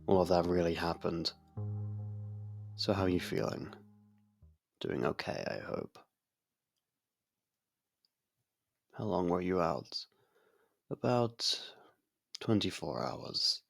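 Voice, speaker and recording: Very deep, gravelly ancient vampire, played by a man. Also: animated, faint music behind, exaggerated voice. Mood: grudging concern. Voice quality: gravelly, husky. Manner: measured, slightly haughty, halting. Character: aloof centuries-old vampire, grudgingly caring toward a human. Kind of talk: intimate ASMR roleplay acting.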